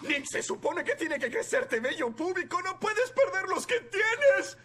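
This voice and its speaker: A man voicing a bossy, manic, foul-mouthed tiny talking hair in an animated comedy dub. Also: very high voice, unhurried, heavy background noise, exaggerated voice. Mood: panicked. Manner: pushy, excitable.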